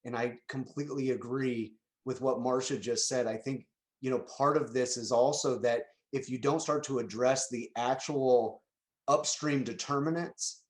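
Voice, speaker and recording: A man's voice: medium pitch, steady tone, normal speed. A man guest expert on an online panel, speaking in a friendly, emphatic way. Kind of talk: panel discussion. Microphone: video call.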